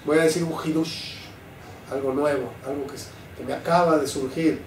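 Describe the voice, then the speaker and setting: Older male rabbi, lively teacher, fond of rhetorical questions; distant mic, faint hiss. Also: a little high, normal speed. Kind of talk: Torah class. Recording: roomy sound, mic at a distance, faint noise.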